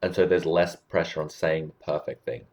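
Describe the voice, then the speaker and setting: A man with a very low voice talks straight to camera, giving laid-back advice on communication. He explains things plainly and keeps checking in with the listener as he goes. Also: moderate pace. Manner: relaxed, explanatory, checks in with "right?". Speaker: communication coach. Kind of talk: casual advice talk to camera.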